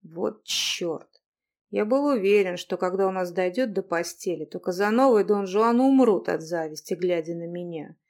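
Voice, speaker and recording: A woman voicing a brash, headstrong young man who speaks loudly and commandingly. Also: mid-range voice, expressive, measured pace. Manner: loud, commanding, cocky.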